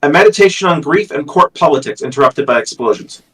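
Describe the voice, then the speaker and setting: A man's voice: fairly high pitch, expressive, fast talker, a bit bright, distant mic. A man speaking as a guest author in a casual livestream chat, with a dry, self-deprecating manner. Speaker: guest, science fiction author.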